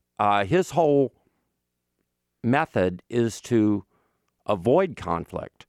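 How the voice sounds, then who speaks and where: At a very slow pace with long, frequent pauses, a man with an American accent speaks at a medium pitch with very wide pitch swings, captured dry and close with no echo in a very clean recording with a silent background. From US South, Atlanta, Georgia. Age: 60s. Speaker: author and journalist. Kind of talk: interview.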